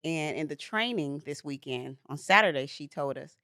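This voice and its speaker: A woman's voice: low voice, animated, moderate pace, sharp tone, no room sound, clean studio sound. A woman in her forties co-hosting a podcast, telling a story in casual chat and laughing easily. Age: 40s. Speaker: podcast co-host.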